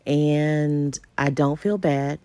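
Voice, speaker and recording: A woman's voice: sits low, steady tone, extremely slow, mellow, no room sound. A woman vlogger with a slightly scratchy voice, chatting casually and in a folksy way straight to her viewers. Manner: folksy, addresses viewers directly. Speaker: homesteading vlogger. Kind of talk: casual voice-over chat.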